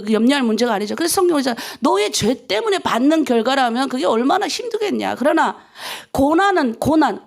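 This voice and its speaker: High, gravelly-voiced woman pastor preaching. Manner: emotional storytelling, acts out prayers to God. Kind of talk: dawn prayer sermon.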